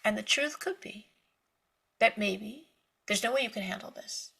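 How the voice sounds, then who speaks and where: A woman giving a spiritual Torah lecture, telling stories with lively emphasis, repeating words and laughing lightly between points. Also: mid-range voice, a little slow, vocal fry, breathy edge. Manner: animated storytelling with emphatic repetition. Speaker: Torah teacher.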